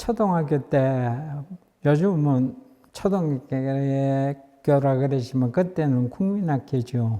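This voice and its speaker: A man of fairly high pitch with a dark, mellow tone, at a very slow pace. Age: 80s+. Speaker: elderly artist. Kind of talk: oral history interview. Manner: hesitant, with fillers.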